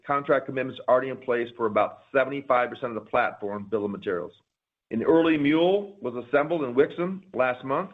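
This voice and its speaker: A man reading a prepared corporate presentation in a formal, measured way, as a company executive on an earnings call. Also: medium pitch. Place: conference call. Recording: narrow, phone-like conference call line.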